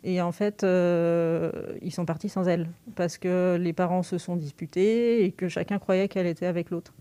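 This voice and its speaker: Smooth, mellow-voiced woman lecturer. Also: on the low side, steady tone, normal speed. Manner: thoughtful, hesitant with frequent fillers. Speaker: university lecturer, guest. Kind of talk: radio interview answers.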